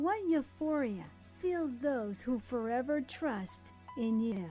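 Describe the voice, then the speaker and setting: Over music in the background, a woman with a high voice speaks with an American accent. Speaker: voice actor. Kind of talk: scripture reading. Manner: sincere, inspiring.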